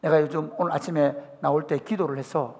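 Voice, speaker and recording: A middle-aged man with a Gyeongsang Korean accent, preaching a lively sermon and telling stories with humor. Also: fairly high pitch, fairly quick. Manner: animated storytelling, acting out people's voices with humor. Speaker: pastor. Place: church sanctuary. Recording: church hall reverb.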